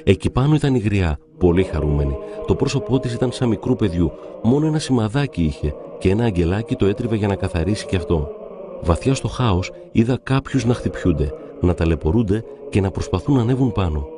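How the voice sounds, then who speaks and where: A man narrating devout stories in a calm, measured reading. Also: lowish voice, music in the background. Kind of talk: reverent scripted reading of saints' stories.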